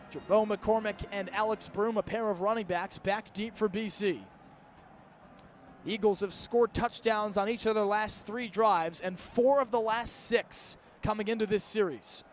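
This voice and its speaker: A man in his twenties doing live radio football play-by-play in clipped, urgent phrases from a stadium. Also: high-pitched. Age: 20s. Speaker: play-by-play announcer. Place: outdoors at a college football stadium. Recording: outdoor stadium ambience, faint background noise.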